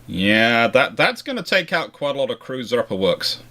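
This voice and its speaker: A man's voice: medium pitch, sing-song, normal speed, pushed and bright. A man hosting a casual history question-and-answer chat, rambling and often circling back to rephrase himself. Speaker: host answering viewer questions.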